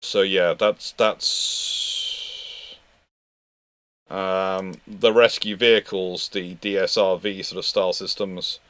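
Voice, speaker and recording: Low-pitched man, halting and discursive. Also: level tone, sharp tone, clean tone, no echo. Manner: halting, discursive, thinking aloud. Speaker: naval history host answering questions. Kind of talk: informal live question-and-answer talk.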